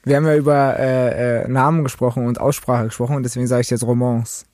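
A man's voice: mid-range voice, little pitch movement, quick pace, a little mellow, no echo, clean studio sound. A man co-hosting a podcast interview, chatting casually with short remarks. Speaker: podcast co-host.

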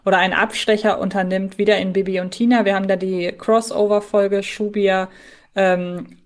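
A woman speaks as a podcast co-host. Her pitch is average for a woman. She analyses in a casual, conversational style, as if talking to a partner. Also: level tone, moderate pace.

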